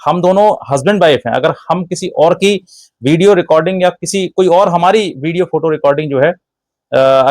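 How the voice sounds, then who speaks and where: Higher-pitched man explaining law. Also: darkish tone, no echo. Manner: instructive, emphatic, repeats and lists points. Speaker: legal advice presenter. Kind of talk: explanatory legal talk addressed to viewers.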